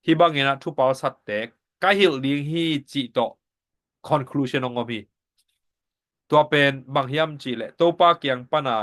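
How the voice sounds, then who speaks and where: A man giving a Sabbath School Bible lesson in a steady, explanatory teaching manner. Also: mid-range voice.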